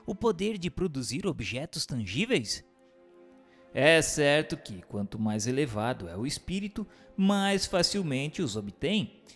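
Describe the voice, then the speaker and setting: A man giving a formal, declamatory scripted reading as a narrator, in a question-and-answer style. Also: fairly high pitch. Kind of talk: scripted dramatized reading of a spiritist book.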